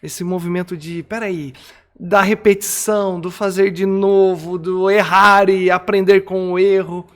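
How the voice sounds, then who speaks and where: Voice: mid-range voice, little pitch movement, unhurried. A speaker in casual conversation, explaining ideas through everyday examples.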